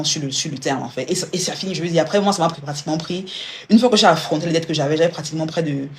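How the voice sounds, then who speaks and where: A woman's voice: deep voice, slight background noise. A woman coaching viewers on personal finance during a live stream, speaking informally and directly to the listener, often restarting and repeating words. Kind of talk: live-stream money advice.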